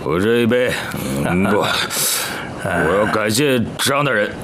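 Deep-voiced, very drunk warrior officer. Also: male voice, lively intonation, unhurried, a little hiss or hum. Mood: drunken, grateful. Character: drunken, courteous young male warrior officer. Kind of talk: period television drama acting. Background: loud music.

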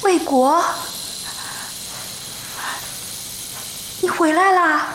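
A woman's voice: very high-pitched, fast talker, background noise. An actress playing a devoted young schoolteacher who waits for her soldier sweetheart in a war drama. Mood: tearful, anxious. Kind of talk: war television drama acting. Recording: loud music over the dialogue. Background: loud background music.

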